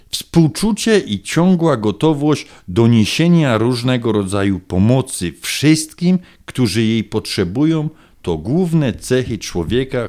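A man's voice: medium pitch, a little mellow. A man co-hosting a radio show, joking and reading horoscopes aloud. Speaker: radio co-host.

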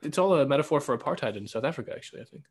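A man's voice: fairly high pitch, expressive, very fast, breathy edge. Playful mild-Canadian man, podcast banter. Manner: playful, rambling, teasing. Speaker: podcast co-host. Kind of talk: casual banter.

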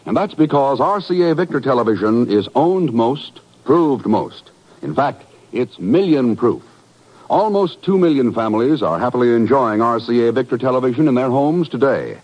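Old-time American radio announcer, animated man. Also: mid-range voice, moderate pace. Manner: old radio announcer delivery, polished and declamatory. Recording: muffled vintage 1950s radio broadcast. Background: music.

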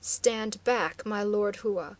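A woman's voice: fairly high pitch, steady tone, a little slow. A woman doing an icy, stern guard captain. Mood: stern cold. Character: cold, proud male master of guards.

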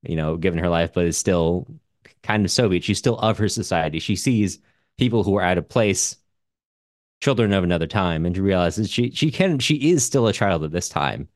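A man co-hosting a book podcast in casual discussion, halting and correcting himself as he thinks aloud. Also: low-pitched, expressive, no echo, studio quality. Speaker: podcast co-host.

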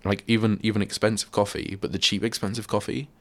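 Fast and level-toned, a male radio host with a head cold chats alone at a studio mic, rambling and self-deprecating. His fairly low voice has vocal fry and is a bit bright, yet bunged-up and nasal. The recording is dry.

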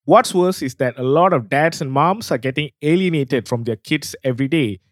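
A man hosting a podcast, reading a scripted outro in an earnest, steady way. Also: on the high side, normal speed, no echo, clean studio sound. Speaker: podcast host.

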